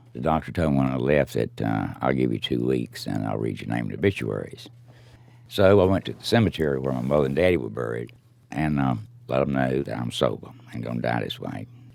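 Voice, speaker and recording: Amid noticeable background noise, a man with a very deep, low pitch talks at a fairly quick pace with ordinary pitch variation. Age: old. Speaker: recovering alcoholic, formerly homeless. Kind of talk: interview conversation. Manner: halting with fillers.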